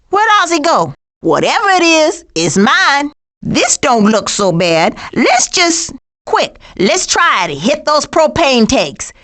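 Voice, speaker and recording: A woman voicing a brash, streetwise female skunk in an animated video game, with an American accent and a sassy, blunt manner. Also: a little high. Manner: sassy, blunt, folksy slang.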